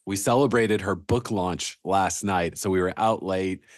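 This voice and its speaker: A man's voice: low voice, unhurried, no room sound, studio quality. A man with a congested, cracking voice co-hosting a casual online CRM training session, upbeat and conversational over a video call mic. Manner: upbeat, conversational, frequent "you know" and "um".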